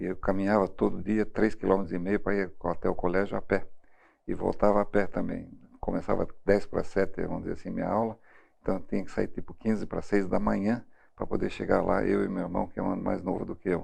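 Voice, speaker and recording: At a fairly quick pace, a man speaks with vocal fry, a fairly low pitch and monotone, flat intonation. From Brazil (Curitiba), born in Germany. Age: 70s. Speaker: executive recruiter. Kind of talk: interview testimony. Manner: halting, with self-corrections.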